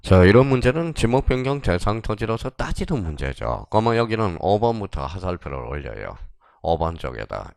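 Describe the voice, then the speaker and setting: A male exam-prep lecturer with a low, gravelly voice that still rises and falls a lot as he drills the class. He fires short questions and answers them himself. The sound is dry and close. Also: no room sound.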